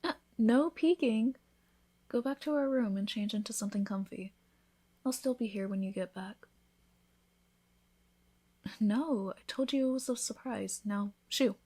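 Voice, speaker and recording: A woman voicing an affectionate, teasing newlywed vampire in an intimate, soft-spoken ASMR roleplay, with tender, breathy delivery. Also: on the high side, unhurried, long pauses. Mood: playful, excited.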